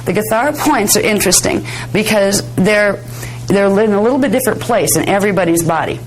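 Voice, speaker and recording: A woman teaching a live workshop, slightly hoarse, explaining at length in a chatty way, with fillers and soft laughs. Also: mid-range voice, lively intonation, brisk, low-quality recording. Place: workshop room. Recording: 1999 workshop video, faint music.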